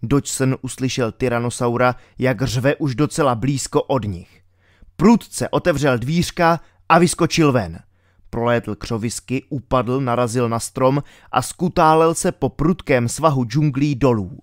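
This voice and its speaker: A man reading a thriller audiobook with steady, dramatic storytelling. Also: mid-range voice, no echo, clean studio sound. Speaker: audiobook reader. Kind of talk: audiobook narration.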